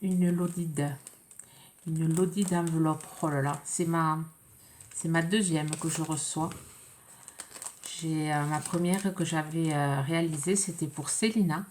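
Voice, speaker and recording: A woman with a French accent and a notably low voice talks casually through a package she is opening, halting often with fillers. Her cold leaves her sounding congested, and a faint hiss runs behind her. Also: fairly even intonation, a little mellow. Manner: hesitant, many pauses and fillers. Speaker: scrapbooking vlogger. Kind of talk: casual unboxing chat.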